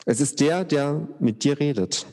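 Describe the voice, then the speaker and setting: A man reading as a calm, solemn teacher. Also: fairly high pitch, a little slow, big-room sound, voice pushed up. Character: Jesus, calm and authoritative teacher.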